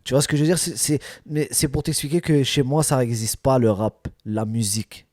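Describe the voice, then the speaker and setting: A man's voice: medium pitch, fairly even intonation, a little fast, a little mellow, dry recording, studio quality. A man talking casually as a rapper being interviewed, emphatic, often repeating phrases and checking that he is understood.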